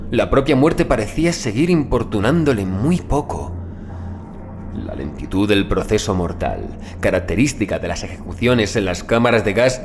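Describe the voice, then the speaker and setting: A man narrating a scripted first-person horror story in a measured, deliberate literary manner. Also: on the low side, noisy background. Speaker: audiobook narrator.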